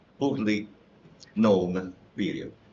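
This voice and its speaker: Speaking at a very slow pace, a man in an Italian accent uses ordinary pitch variation. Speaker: geology professor. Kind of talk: lecture. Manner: halting, many fillers.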